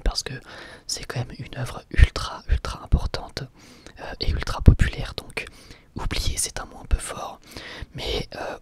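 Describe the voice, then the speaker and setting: A young adult host, whispering casual, hesitant answers to viewer questions into a close microphone for an ASMR video. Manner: soft steady whisper, casual and hesitant with many fillers.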